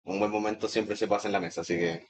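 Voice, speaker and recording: A Chilean man in his thirties, raised in Santiago, speaks casually as a guest sommelier in an interview. His voice sits lowish, with a steady tone and a quick pace.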